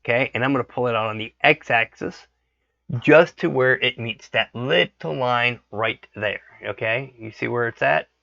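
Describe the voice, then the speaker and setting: Brief: hoarse man, bright gravelly voice, relaxed tutorial talk, dry dull desk-mic sound. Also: medium pitch, moderate pace, no echo. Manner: thinks aloud, frequent "okay" checks. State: hoarse from a cold. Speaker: 3D modeling tutorial host. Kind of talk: casual screen-recorded tutorial.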